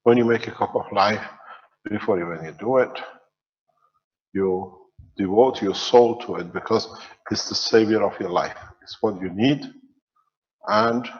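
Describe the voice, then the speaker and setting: Low-voiced man teaching in a hall. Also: dull audio. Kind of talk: spiritual teaching lecture.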